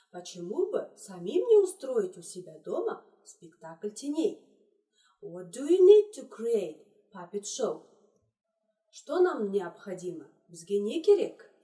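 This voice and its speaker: A woman teaching a children's English lesson, slowly repeating each word in three languages. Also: medium pitch, mellow. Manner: slow, deliberate, repeats words in three languages. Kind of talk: trilingual video lesson for children. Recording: echoey room, voice distant from mic.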